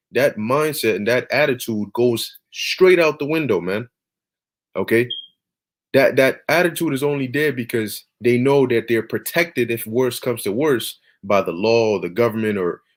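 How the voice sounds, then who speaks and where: A man preaching on scripture over a video call, emphatic and peppered with "all right" and "okay". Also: mid-range voice.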